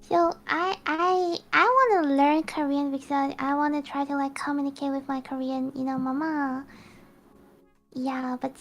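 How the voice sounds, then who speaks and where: A soft-spoken woman guest chatting casually, quiet and giggly. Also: high voice, fairly even intonation, normal speed, faint music behind. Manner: soft-spoken, giggly, does not shout. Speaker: guest streamer. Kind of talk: casual chat.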